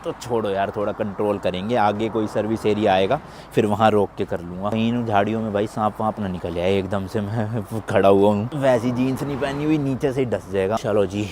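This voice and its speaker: A man from India talking casually to his viewers in a travel vlog, chatty and addressing them as brother, standing outdoors by a highway. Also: fairly even intonation, brisk, darkish tone, slight background noise. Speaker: travel vlogger. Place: outdoors at a highway lay-by with traffic passing.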